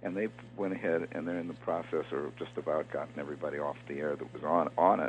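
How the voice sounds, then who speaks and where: Music plays in the background while a man talks at a very fast pace. His pitch is very deep and low, with ordinary variation. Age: 70s. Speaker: TV producer. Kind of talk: interview.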